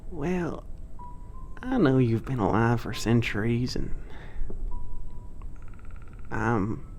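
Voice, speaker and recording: A man's voice: medium pitch, lively intonation, slow, a little mellow, soft background music. A man voicing a shy, lonely young male giant who speaks in folksy, hesitant phrases. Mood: earnest. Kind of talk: ASMR audio drama.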